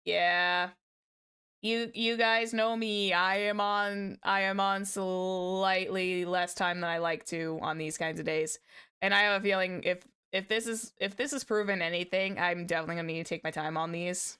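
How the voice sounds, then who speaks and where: A woman streaming casually to her viewers, chatty and repeating herself, her voice slightly hoarse. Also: on the low side, fairly even intonation, normal speed, pushed and bright. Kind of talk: casual livestream chat.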